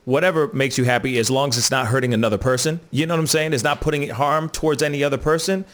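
A man's voice: medium pitch, fast. A man with a mid-range voice hosts a casual conversation. He is easygoing and often adds filler phrases while he talks. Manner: laid-back, repeats "you know what I'm saying". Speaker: host.

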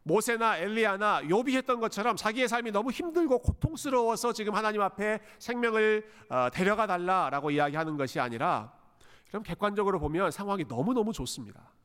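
A male pastor delivering a Sunday sermon, expressive and dramatic, dropping English phrases into his preaching. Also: high voice, fairly quick, clean tone. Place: church sanctuary. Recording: long church hall reverb.

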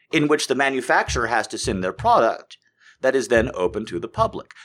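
Man with a lively, profane delivery. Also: mid-range voice. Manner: profane, animated, sarcastic. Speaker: comedian. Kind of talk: comedic rant.

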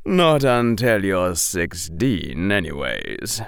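A man's voice: medium pitch, wildly swooping pitch, extremely slow, creaky, dry recording, clean studio sound, exaggerated voice. A man voicing a thin old shopkeeper wizard who speaks sternly and snaps when annoyed, in a storybook reading. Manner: snapping, stern.

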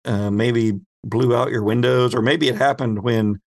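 A male host and game master narrates an improvised story, pausing when he searches for words. He speaks conversationally, with a medium pitch and a steady tone.

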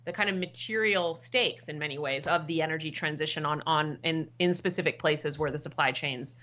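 Low-pitched bright American woman. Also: a little fast, highs cut off. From United States. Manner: explains with frequent checking "right?" tags. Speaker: guest expert, political science professor. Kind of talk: explanatory podcast interview.

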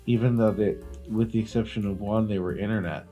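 A middle-aged man talking casually as a podcast co-host, his low voice wandering through filler words and restarts. Faint music plays behind him. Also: steady tone, fairly quick, highs cut off. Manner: rambling, many fillers and restarts. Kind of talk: casual comedic chat.

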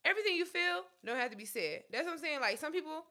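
A woman with co-hosts a casual talk show, blunt, profane and animated. Her voice sits high and has a sharp, bright edge. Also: quick pace. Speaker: podcast co-host. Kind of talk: casual chat.

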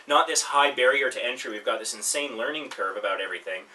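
A man's voice: quick pace, pushed and bright. Man on a distant, noisy backup mic. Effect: low-quality backup mic recording. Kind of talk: casual podcast chat.

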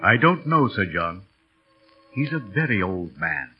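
Animated, kindly doctor. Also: male voice, low-pitched, a little slow, slightly rough, full character voice. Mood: grave. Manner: hesitant, reassuring. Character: tactful, kindly English village doctor, male. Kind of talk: classic radio drama acting. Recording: muffled old radio broadcast, music behind.

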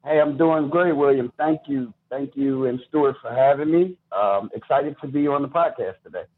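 A man's voice: medium pitch, normal speed, narrow, tinny audio. A middle-aged American man telling his own story as an interview guest. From Chicago, United States. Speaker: podcast guest, youth baseball coach and charity founder.

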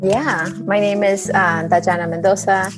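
A woman's voice: mid-range voice, fairly even intonation, moderate pace, music in the background. A woman from Colombia with a Colombian Spanish accent, speaking as a guest coach in an earnest, hesitant way with fillers and restarts. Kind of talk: casual interview talk.

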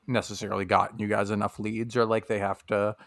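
A man's voice: on the low side, little pitch movement, quick pace, vocal fry, a bit bright. A man chatting casually on a podcast as the game master, rambling with lots of fillers. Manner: rambling, filler-heavy, laughs often.

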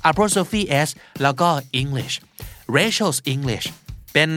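A man's voice: medium pitch, a bit bright. A man with a Thai accent, hosting a pronunciation lesson and spelling English words out letter by letter.

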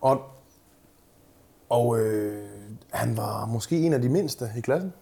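A man who coaches bodybuilders, talking casually in a podcast chat, telling lively stories with plenty of fillers and casual swearing. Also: mid-range voice, gravelly.

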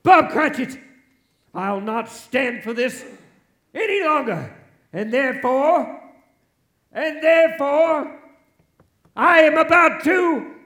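An actor playing a reformed old miser, hearty and exclamatory, in a theatrical radio play recorded live on stage. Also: male voice, extremely high pitch, lively intonation, takes it slowly, pauses often, a bit bright, full character voice. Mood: mock stern. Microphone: shared stage microphone.

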